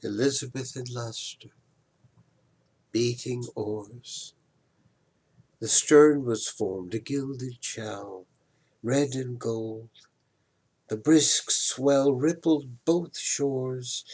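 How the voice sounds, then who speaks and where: An older man giving a dramatic, deliberate poetry recitation, moving between emphatic swells and hushed drops. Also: medium pitch, slightly rough, rough recording. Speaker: poetry reader, retired professor.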